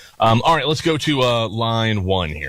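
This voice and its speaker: This man has a plain, everyday voice with medium pitch. He speaks at a moderate pace with lively intonation. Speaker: radio DJ hosting storm coverage. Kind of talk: live call-in radio.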